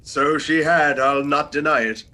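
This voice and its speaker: An actor in a radio play voicing a miserly old man softened by memories, hesitant and full of feeling. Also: on the high side, fairly even intonation, measured pace. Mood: subdued. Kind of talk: dramatic radio play acting.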